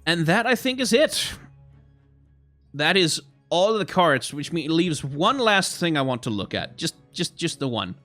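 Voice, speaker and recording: A young man, a little hoarse, chatting casually on a live stream, rambling and answering his chat as he reviews card art. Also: on the high side, very animated, measured pace, sharp tone, no room sound, faint music behind. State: slightly hoarse.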